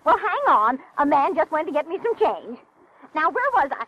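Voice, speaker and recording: A woman's voice: high voice, sing-song, moderate pace. An actress playing a self-absorbed, chattering woman on a payphone in old-time radio style. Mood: indignant, flustered. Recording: noisy, muffled old radio recording.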